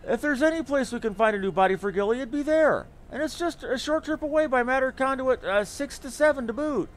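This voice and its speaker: A man voicing an excitable, sentimental young male engineer, earnest and dramatic, as he reads game dialogue aloud. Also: very high-pitched, fairly quick. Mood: eager, pleading.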